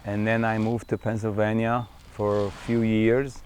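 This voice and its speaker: A middle-aged man from Syria speaks in a lowish, smooth and clear voice. He talks about his photography unhurriedly and reflectively. He often pauses on fillers and restarts his sentences as he goes. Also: level tone, darkish tone. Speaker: wildlife photographer. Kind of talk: profile interview.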